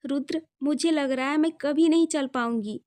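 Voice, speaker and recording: A woman's voice: high voice, moderate pace, a little mellow, lightly acted. Woman voicing an emotional young wife. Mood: tearful. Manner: tearful, then teasing. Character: young wife who cannot walk, emotional.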